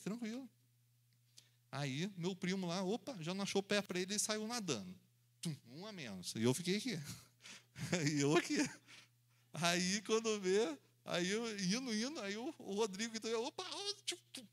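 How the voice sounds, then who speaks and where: In a storytelling sermon, a preacher with a fairly high voice for a man tells his story animatedly, acting out the voices and sound effects himself. He often laughs as he goes. His delivery is sing-song at a moderate pace.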